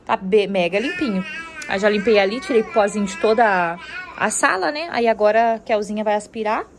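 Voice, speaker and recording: A woman's voice: medium pitch, fairly quick, slight background noise. A woman with a Brazilian Portuguese accent, chatting casually to viewers as she does housework at home. She often breaks into fond baby talk with her daughter. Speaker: homemaker vlogger. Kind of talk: casual chat to viewers while doing chores. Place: at home, indoors.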